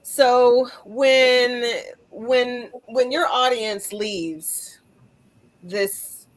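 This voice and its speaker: A woman's voice: fairly high pitch, fairly even intonation, very slow. A woman hosting a conversational interview podcast, speaking reflectively and building her thoughts step by step. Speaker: podcast host.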